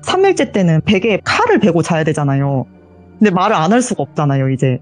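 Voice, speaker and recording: Young woman, earnest storyteller, lively swinging pitch, voice call, faint background music. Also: quick pace. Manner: earnest, quotes others in acted lines. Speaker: viewer telling her story. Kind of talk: phone-in storytelling interview.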